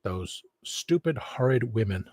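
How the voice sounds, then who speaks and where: A male streamer chatting casually in a meandering, off-the-cuff way. His voice sits at an ordinary middle pitch. The recording is dry, with very little room sound. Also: expressive, unhurried, darkish tone, no echo. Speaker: streamer, host. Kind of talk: rambling casual livestream chat.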